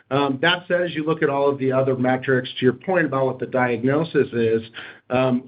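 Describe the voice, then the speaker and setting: A man speaking as a company executive on an earnings call, in measured corporate phrasing. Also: mid-range voice. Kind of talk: prepared remarks and corporate question answering. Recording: dull, lo-fi conference call audio.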